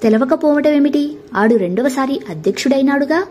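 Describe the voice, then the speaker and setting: A woman's voice: fairly high pitch, expressive, moderate pace, mellow, slight background noise, close to an everyday voice. A woman voicing a proud, chatty middle-aged village wife who teases.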